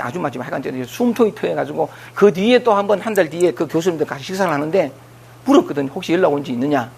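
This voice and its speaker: A man with a Gyeongsang accent giving an animated spiritual lecture, speaking straight to his listeners. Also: sits high, gravelly, a little hiss or hum. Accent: Gyeongsang Korean. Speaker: lecturer on scriptures.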